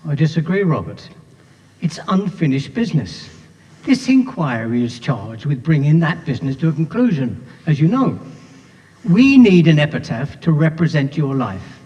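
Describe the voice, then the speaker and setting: An officious inquiry moderator, played by a man with a fairly high voice. The sound is dull and muffled, a stage play in a hall with long reverb. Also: big pitch swings, moderate pace, dark tone. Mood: official. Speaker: stage actor.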